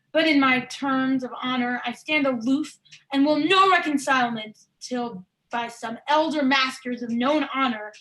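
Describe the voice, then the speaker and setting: A woman's voice: high voice, a bit bright, poor audio. A woman playing a proud, guarded young nobleman bound by honor, reading Shakespearean verse.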